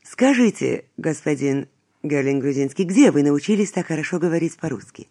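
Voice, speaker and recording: A man hosting a formal radio interview, asking measured questions. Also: a little high, lively intonation, mellow.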